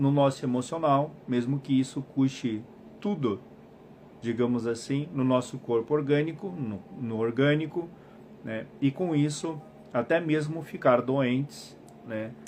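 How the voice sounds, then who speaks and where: This soft-spoken man talks at a very slow pace. His pitch is fairly high, with ordinary variation. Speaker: spiritual self-help speaker. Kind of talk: live-stream talk. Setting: Instagram live stream. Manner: halting.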